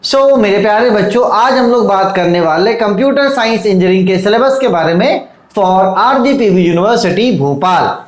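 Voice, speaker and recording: Male online tutor, high voice, fatherly and coaxing, roomy echo. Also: expressive, moderate pace, few pauses. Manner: coaxing, fatherly, calls students "beta"; repeats checks like "theek hai" and "dekho". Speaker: teacher. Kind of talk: online lecture to students.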